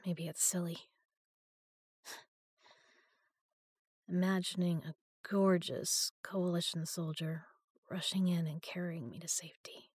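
A frightened woman locked in a prison cell, voiced by a woman in an audio drama. Her husky, breathy voice is slow and dry, recorded close to the mic in a dead room. She moves between weary hushed talk and desperate pleading. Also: lowish voice, steady tone, dry recording. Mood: hushed despair. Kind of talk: first-person sci-fi audio drama.

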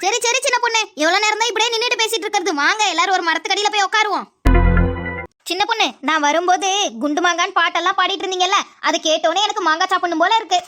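A woman's voice: extremely high pitch, racing, loud music behind the voice. A woman voicing a cautious, scolding village woman in a cartoon dub. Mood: scolding, wary. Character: wary, scolding village woman Shanthi, elder sister type.

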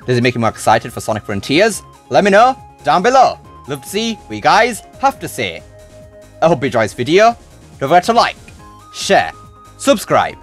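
A man's voice: on the high side, a bit bright. A man giving casual, informal reaction commentary as a video creator, thinking aloud as he goes.

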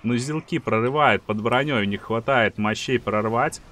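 A man in his thirties narrates a strategy game like a sports commentator, in a mid-pitched voice. He is emphatic and animated, repeating short phrases as he goes. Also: normal speed, a little hiss or hum. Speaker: gaming streamer. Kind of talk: excited play-by-play game commentary. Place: small dim room indoors.

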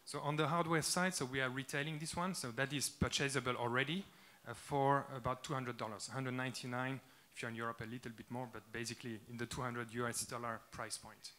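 A man in his thirties with a French accent, giving an earnest startup pitch on a conference stage into a handheld mic, with frequent "uh" fillers. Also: fairly even intonation, brisk, bright, forceful tone. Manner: earnest, eager, with many "uh" fillers. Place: large dark conference stage with audience.

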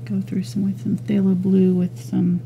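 A woman teaching an acrylic painting lesson, talking casually and thinking aloud as she works, with soft murmured asides. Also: medium pitch, monotone, normal speed, gravelly, highs cut off, noisy background. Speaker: painting instructor. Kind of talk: relaxed step-by-step art lesson.

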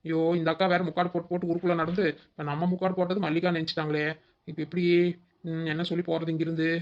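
A woman plays a young village daughter-in-law in a cartoon comedy, scheming and exasperated. She mutters fretful asides in very rapid with a fairly low voice, recorded a little dully. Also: little pitch movement, dull audio, natural voice.

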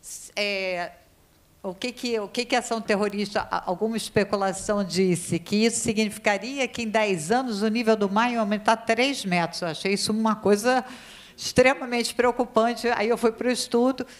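A woman's voice: on the high side, moderate pace. A woman speaks at a legislative committee hearing, emphatic and worried, thinking aloud with restarts and shivering from the cold. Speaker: committee member questioning experts. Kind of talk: spontaneous committee speech.

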